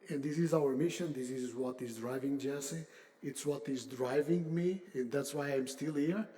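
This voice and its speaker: An older man, a chief executive, giving a semi-formal unscripted conference speech with halting, deliberate phrasing. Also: medium pitch, warm tone. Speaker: industry association CEO, panel speaker.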